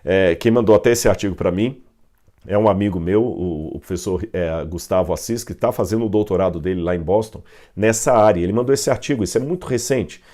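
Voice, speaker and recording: A man's voice: sits low, a little fast, dark tone. A man with a Brazilian Portuguese accent teaching a Bible history lesson, explaining step by step with fillers and self-corrections. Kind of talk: explaining at a whiteboard.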